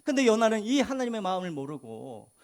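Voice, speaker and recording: A man's voice: sits high, big pitch swings, brisk. A male pastor preaching a sermon, asking the congregation questions and answering them himself.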